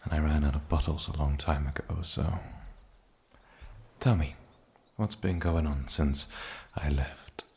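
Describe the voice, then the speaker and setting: A man playing an eccentric, lonely, ancient island demon in a soft-spoken fantasy ASMR roleplay, with a gravelly low voice and musing, polite pauses. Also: fairly even intonation, exaggerated voice. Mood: musing, curious.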